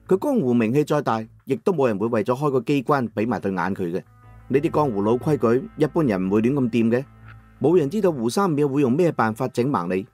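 A man narrating a first-person audiobook novel in a measured storytelling manner, over soft background music. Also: medium pitch. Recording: dry studio with soft music.

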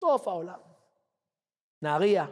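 A man's voice: high-pitched, sing-song, a little mellow. A man, a rabbi, telling a story in a sermon with short, punchy phrases. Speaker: rabbi and lecturer. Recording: long hall reverb.

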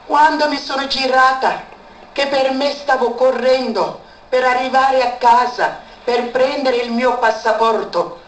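A woman's voice: high-pitched, fairly even intonation, measured pace. A woman giving an emotional spoken testimony, repeating words for emphasis. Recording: echoey room, far from mic, faint background noise.

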